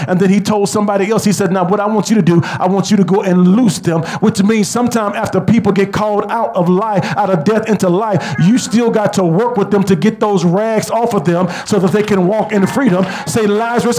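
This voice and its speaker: A man preaching a sermon, leading the congregation in call-and-response and rising to shouts. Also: sits high.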